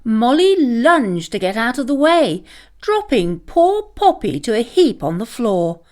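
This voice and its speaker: A woman reading a scripted children's story aloud as a dramatic, expressive storyteller. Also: a little high, a little slow.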